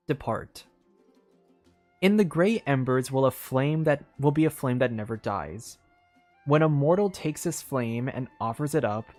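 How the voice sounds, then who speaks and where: A game streamer with an expressive delivery, reading a story aloud in storybook style and slipping into casual asides. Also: medium pitch. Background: music.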